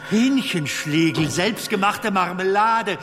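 A man's voice: sits high, slow. A man playing a playful, eager comedian in a theatrical audio drama, coaxing and teasing his companion. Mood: playful, enthusiastic. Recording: long reverberant hall, music behind.

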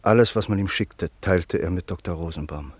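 An actor playing a sombre narrator in a radio drama, grave and deliberate as he recalls a friend's fate. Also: low voice, slightly rough, dry recording.

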